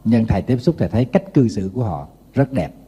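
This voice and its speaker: Southern Vietnamese monk, middle-aged man, very dark tone, storytelling sermon. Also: fairly low pitch, fast talker, breathy edge. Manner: lively anecdotal storytelling with humor. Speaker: Buddhist monk preacher.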